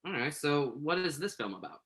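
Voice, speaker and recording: A man's voice: on the high side, very animated, brisk, fairly bright tone. A man acting the part of a nervous, earnest entertainment journalist in a conversational play reading, tentative and thoughtful as he interviews. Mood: curious, probing. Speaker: actor in a virtual staged reading.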